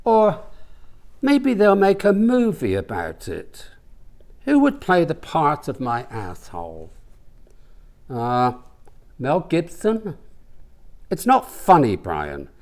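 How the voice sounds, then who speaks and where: An indignant, humiliated gay man from a comic audiobook, acted out by a male reader. He is sarcastic and melodramatic, with pitch leaping and dropping as he complains. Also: huge pitch swings, slow, long pauses, darkish tone, full character voice. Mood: exasperated.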